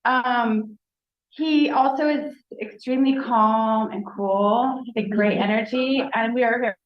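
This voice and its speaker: A woman with a fairly high voice speaks upbeat and enthusiastic as a college advising director addressing a board meeting. Her voice rings around an echoey room. The sound is dull and lo-fi. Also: steady tone, a little slow. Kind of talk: presenting new staff at a board meeting.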